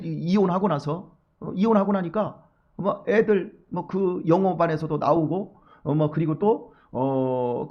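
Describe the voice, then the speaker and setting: A middle-aged man delivers a morning sermon in a high, quick voice that races through his points. He asks his listeners question after question and swings from hushed asides to forceful calls. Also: highs cut off. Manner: emphatic, swings from hushed asides to loud exhortation; addresses the congregation directly, rhetorical questions. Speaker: pastor.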